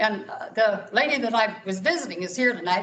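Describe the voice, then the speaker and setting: A woman with a Midwestern US accent at a fairly quick pace, ordinary pitch variation and noticeable background noise. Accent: US Midwest. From Iowa, West Des Moines. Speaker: resident at public meeting. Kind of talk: public comment. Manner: loud; halting.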